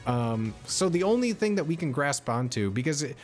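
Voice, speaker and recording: A man's voice: a little high, sing-song, normal speed, faint music behind. Laid-back guy chatting with his stream. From United States. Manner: slangy and laid-back, often saying bro and homie; rambling, with many fillers and restarts. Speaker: livestreamer. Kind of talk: casual chat with viewers.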